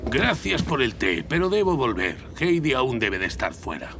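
A man voicing a gruff, protective old grandfather in a Castilian Spanish cartoon dub. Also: mid-range voice, big pitch swings, moderate pace, very noisy. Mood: calm, thoughtful. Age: older. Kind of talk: animated series dubbing.

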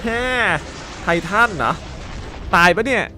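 A man playing a mobile shooter and commentating, playful and often breaking into loud, excited yelling during fights. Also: high-pitched, measured pace, faint music behind. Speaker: gaming YouTuber.

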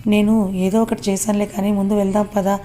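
A woman's voice: mid-range voice, completely flat delivery, fast, warm tone, a little hiss or hum, lightly acted. A woman voicing a lovesick young man who insists and defends the girl he cares for.

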